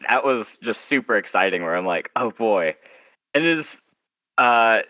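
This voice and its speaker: A man's voice: on the low side, expressive, normal speed, bright, forceful tone, dry recording, low-quality recording. A young man chatting casually as a podcast guest, in a jokey, self-deprecating way. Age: young adult. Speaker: podcast guest, horror writer. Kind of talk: casual chat.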